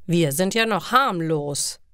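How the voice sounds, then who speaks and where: A woman's voice: lowish voice, expressive, slow, a bit bright, clean tone, dry recording, clean studio sound. A woman voicing a kindly male jeweler mixed up in crime, speaking in urgent short statements and commands.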